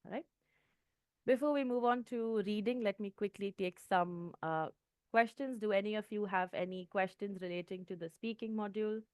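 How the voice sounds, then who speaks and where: Woman trainer, clear teaching tone. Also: mid-range voice, moderate pace, dry recording, studio quality. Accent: Indian English. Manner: clear teaching tone, frequent "okay" checks. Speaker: IELTS trainer. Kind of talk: online test-prep lesson.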